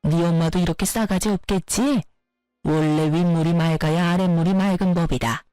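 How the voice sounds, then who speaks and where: A woman's voice: lowish voice, steady tone, moderate pace, mellow, smooth, no echo, faint music behind, lightly acted, poor audio. A woman voicing a domineering, insulting older mother-in-law who scolds with contempt, in a narrated story. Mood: yelling.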